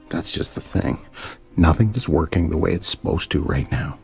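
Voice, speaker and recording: Weary, grave prison warden for a game, older, low gravelly voice, ominous delivery. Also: male voice, normal speed, a little mellow, faint music behind. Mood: pleading, strained. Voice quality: gravelly, husky. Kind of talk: dramatic game cutscene acting.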